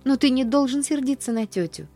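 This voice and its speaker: Storybook little girl, high and earnest, soft mellow tone, voiced by a woman, faint music behind. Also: expressive, a little fast. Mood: apologetic.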